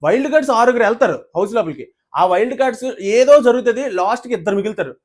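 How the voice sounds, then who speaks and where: Fast, high-voiced indignant man ranting. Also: lively intonation. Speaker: reality show reviewer. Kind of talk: heated casual commentary.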